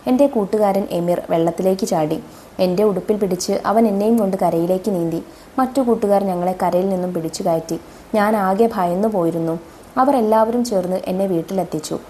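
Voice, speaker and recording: Mellow-voiced woman teaching a revision lesson. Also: mid-range voice, a little hiss or hum. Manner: explains questions and reads model answers aloud to children.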